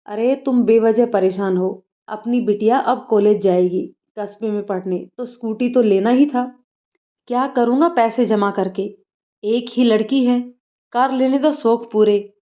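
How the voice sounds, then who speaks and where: A woman's voice: on the high side, unhurried, natural voice. A woman voicing an affectionate, easygoing middle-aged village father, on slightly dull audio.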